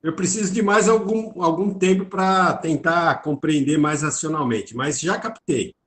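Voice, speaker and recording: Hesitant high-voiced man in an echoey room. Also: measured pace, a bit bright. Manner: hesitant, thinking aloud. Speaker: student. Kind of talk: asking questions in an online class.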